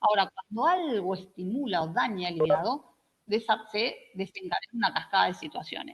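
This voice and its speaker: The woman's pitch sits in the medium range and varies in an ordinary way. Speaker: medical lecturer. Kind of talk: lecture. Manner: fast.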